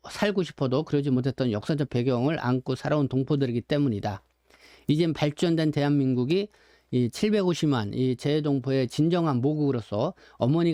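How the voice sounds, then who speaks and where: A man's voice: medium pitch, mellow, no room sound, clean studio sound. A man presenting his newspaper's contents in an informal, explanatory way, talking directly to viewers in a discursive spoken rundown.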